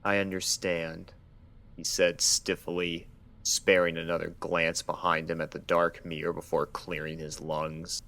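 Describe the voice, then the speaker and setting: A man's voice: low-pitched, monotone, unhurried, creaky, pushed and bright. A man reading scripted fan fiction as the narrator of a dramatic story.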